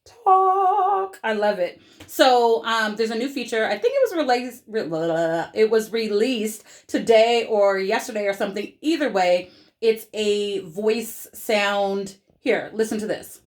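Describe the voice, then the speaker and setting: A woman's voice: on the high side, animated, a little slow. A woman giving a casual social media tutorial in a playful, chatty, informal way.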